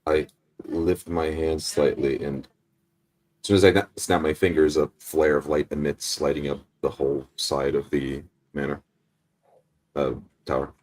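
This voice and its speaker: A man's voice: extremely low pitch, flat delivery, a little slow, a little mellow. A man speaking as a player in a tabletop roleplay game, in character and describing actions.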